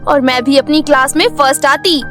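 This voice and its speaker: High-pitched, jealous schoolgirl acted by a woman, defiant, scheming, cartoon fairy tale, faint music behind. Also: fairly even intonation, a little fast, fairly bright tone. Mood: defiant, aggrieved. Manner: defiant, self-justifying. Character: spiteful, jealous teenage schoolgirl stepsister, whiny and scheming.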